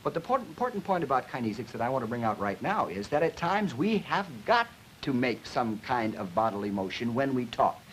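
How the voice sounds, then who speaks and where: A man giving an explanatory educational lecture in an emphatic, deliberate, didactic way, as a linguistics lecturer. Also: medium pitch, big pitch swings. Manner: emphatic, deliberate, didactic, stressing key words. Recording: noisy 1950s educational film soundtrack.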